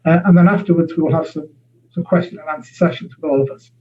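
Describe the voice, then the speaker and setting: A man giving an online seminar talk as a guest speaker, measured and full of uh fillers, heard over a video call. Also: on the high side, breathy edge. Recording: tinny phone-like audio.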